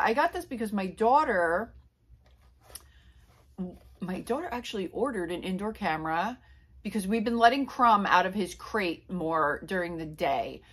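A woman in her forties chatting casually to camera about her flea market finds, rambling with lots of fillers and asides, in a small indoor room. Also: medium pitch. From Pennsylvania, USA. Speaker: reseller vlogger. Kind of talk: casual haul chat to camera. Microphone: camera on a tripod at a few feet.

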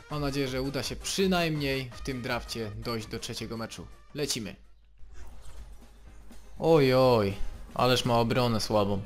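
A gaming channel host with a medium-pitched voice gives play-by-play commentary on his own video game, getting excitable and shouting player names at big moments.

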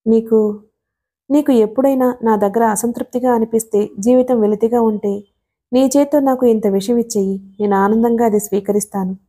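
A woman reading the lines of a devoted young husband, gentle and quietly pleading. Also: a little high, steady tone, moderate pace, husky. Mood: tender.

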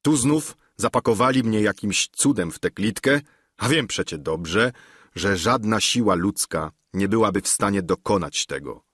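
A man voicing an old, deluded knight who speaks slowly and solemnly. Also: expressive, a bit bright, breathy edge, no echo, clean studio sound. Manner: slow, solemn, low and measured.

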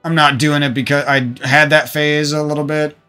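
A man's voice: fairly high pitch, level tone, moderate pace, pushed and bright, clean tone, soft background music. A man talking to his stream viewers into a desk microphone from a room at home, venting about past relationships in a rambling, profane way with many restarts. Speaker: gaming streamer.

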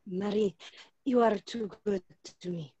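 A woman's voice: medium pitch, measured pace, warm tone, slightly rough, dry recording. A woman acting a haughty, languid opera diva in a dramatic staged reading over a lo-fi video call. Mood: languid, faintly condescending. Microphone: phone or computer on video call. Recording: dull lo-fi video-call audio.

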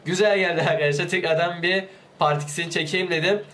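A man giving let's play commentary, excitable, pleading with and yelling at his game character while sick, his voice liable to give out. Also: high voice, fast. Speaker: gaming YouTuber.

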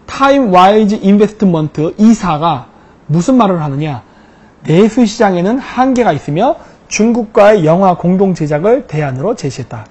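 A man giving a lecture-style political commentary over slides, posing rhetorical questions and answering them himself with emphatic, drawn-out stresses. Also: sits high, darkish tone, slightly rough.

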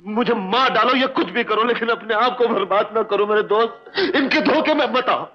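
An actor playing a loyal, wisecracking family friend in a 1960s Hindi film, joking at times and earnestly pleading at others. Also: male voice, on the high side, expressive, normal speed, a loud crowd, close to an everyday voice. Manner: joking one moment, pleading the next. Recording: dull old film soundtrack with music.

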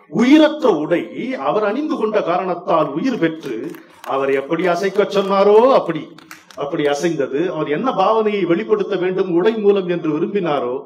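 Guy giving a big formal speech on stage, kinda high voice, booming bits, echoey hall and he's far off the mic. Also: dull audio. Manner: oratorical and emphatic, swelling to loud passages. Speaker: speaker at an inauguration event. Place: event hall.

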